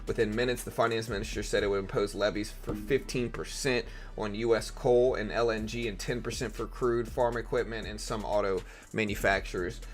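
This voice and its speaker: A raspy-voiced man with a fairly low pitch hosts a casual live stream, thinking out loud and tossing questions to his chat. He reads news aloud between loose asides, with faint music playing behind him. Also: steady tone, brisk, few pauses. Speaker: live trading stream host.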